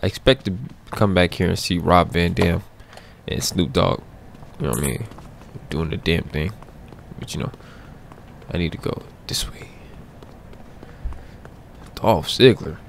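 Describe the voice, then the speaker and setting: Deep and creaky, the young man's voice moves at normal speed as he plays a video game for the first time. He jokes, reacts with disbelief, and addresses the screen, with a little hiss or hum underneath.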